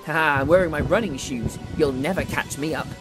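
A woman's voice: low-pitched, voice pushed down, natural voice, low-quality recording. A woman voicing a smug, scheming boy mad scientist who gloats and boasts in a children's toy story. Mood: gloating. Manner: gloating, boastful, drawn-out cackles. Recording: music behind the voice.

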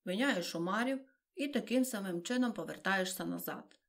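A woman voicing a boisterous, excitable male griffin from a storybook, who keeps interrupting and shouting. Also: mid-range voice, moderate pace.

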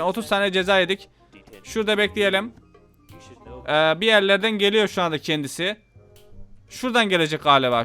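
A man narrates a video game as he plays, excitable and quick to panic, talking to his viewers like friends. His voice sits high and sounds bright and smooth. Faint music plays under his commentary. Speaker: gaming YouTuber. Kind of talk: casual let's-play commentary.

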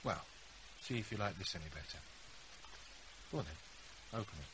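A man's voice: sits low, lively intonation, moderate pace, background noise. An actor playing a blunt, cocky, wry British businessman in a naturalistic radio drama. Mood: wry, teasing. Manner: blunt, matter-of-fact, wry. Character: blunt, cocky businessman, tipsy partner of a mother.

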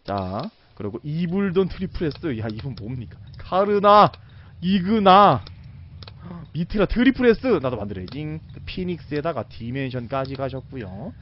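A man doing casual commentary as a game streamer, excitable and breaking into sudden loud shouts. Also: on the high side, measured pace, highs cut off, a little hiss or hum.

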